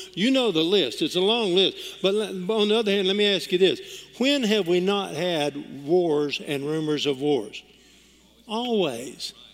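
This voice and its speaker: Over noticeable background noise, a man with a Southern US accent speaks at a fairly slow pace. His pitch is high and his intonation lively. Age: 70s. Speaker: pastor. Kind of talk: sermon. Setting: church.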